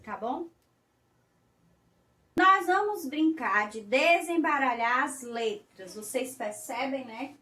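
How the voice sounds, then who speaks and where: A Brazilian woman teaching a recorded class for young children, in slow, coaxing, sing-song teacher talk. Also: high voice, bright, forceful tone, roomy sound, distant mic. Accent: Brazilian Portuguese.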